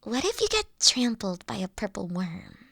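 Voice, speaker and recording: A woman's voice: mid-range voice, very animated, moderate pace, gravelly, pushed and bright, dry recording, clean studio sound, full character voice. A woman playing a huge, friendly, nerdy young dragon college student in a roleplay audio drama, talking in a bubbly, awkward, hesitant way. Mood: curious, playful.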